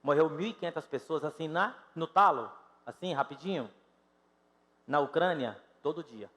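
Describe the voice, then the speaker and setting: A Brazilian man in his fifties preaching a sermon to his congregation, emphatic and direct, swinging between loud exclamations and quiet, drawn-out phrases. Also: a little high, animated, long reverb tail. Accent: Brazilian Portuguese. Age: 50s. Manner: emphatic, rises and drops sharply in loudness, addresses congregation directly. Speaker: pastor. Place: church sanctuary.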